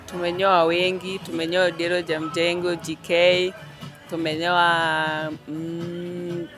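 A woman's voice: fairly low pitch, level tone, slow pace. A young Kenyan woman from Nyanza, a barber being interviewed outdoors, giving short, shy answers. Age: young adult. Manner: brief, shy answers with light laughs. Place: outdoors on a shop front bench. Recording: music playing behind.

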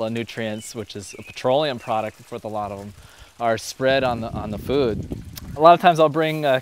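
A man's voice: mid-range voice, smooth. A man in his thirties casually explaining his homemade aquaponics setup in a greenhouse and at home, speaking plainly with fillers and restarts.

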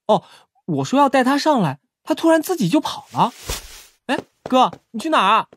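A woman's voice: high voice, very animated, moderate pace, slight background noise. A woman voicing a naive, eager young policeman with a boyish, earnest manner, in an audiobook drama. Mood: earnest, flustered.

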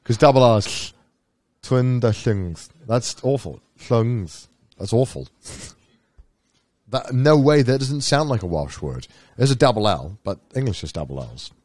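A young man whose pitch swings widely as he animatedly tells a story and acts out quotes in a casual podcast chat. His voice is caught close and dry on a boom mic in a small studio. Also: big pitch swings, unhurried, a little mellow, dry recording. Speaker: podcast co-host. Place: small neon-lit studio, seated on couch. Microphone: boom mic on arm.

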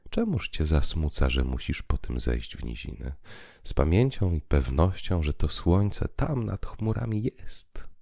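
A man voicing a gentle, lofty woman in an audio drama, speaking poetically and consolingly. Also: low voice, vocal fry, dry recording, studio quality, pitched above the performer's own voice, heavily acted. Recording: piano music underneath.

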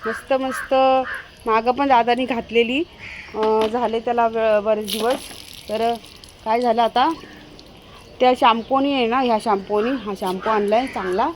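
A woman with a high, bright-pitched voice records a casual home vlog. She chats to her viewers and keeps breaking off to call out sharply to her dog. A faint hiss sits under her voice. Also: fairly even intonation, measured pace. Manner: chatty, often calls out sharply to a dog. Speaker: vlogger.

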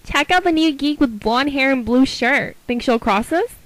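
A woman's voice: high voice, animated, moderate pace, no echo, rough recording. A woman voicing a catty teenage sidekick girl, gossipy and dismissive, in an amateur voice audition.

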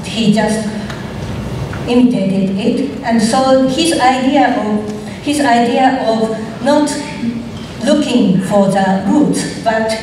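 A middle-aged woman whose first language is Japanese, speaking thoughtful, halting English with a Japanese accent in an onstage literary conversation. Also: a little high, dark tone. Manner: slow, thoughtful, halting non-native English with pauses. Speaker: writer being interviewed on stage. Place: large auditorium stage. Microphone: stand mic, recorded from far off. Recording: echoey hall from far off, audience noise.

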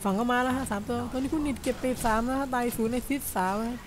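A man with a high voice giving excited, casual play-by-play commentary over a video game, full of exclamations. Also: very fast. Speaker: gameplay commentator.

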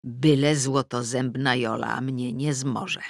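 A middle-aged woman reading a first-person novel aloud in a studio, with lively, ironic storytelling. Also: extremely low pitch, slow pace, creaky, dry recording. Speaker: audiobook narrator. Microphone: close studio mic.

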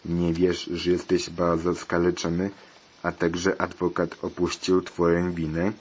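A man's voice: sits low, completely flat delivery, a little slow, slightly rough. A man voicing an eager male pirate companion who pleads and questions, on a dull lo-fi recording. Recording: dull lo-fi recording, faint hiss.

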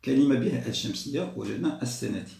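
A man teaches a primary-school grammar lesson, repeating words slowly and patiently. His voice is mellow and gravelly, with a noticeable roomy echo. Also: mid-range voice.

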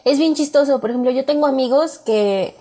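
A woman with a Mexican accent chats on a podcast in a bright, fairly high voice. She tells her stories with animation, acts out what people said, and laughs a lot along the way. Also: a little fast. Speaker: podcast co-host. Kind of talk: casual chat.

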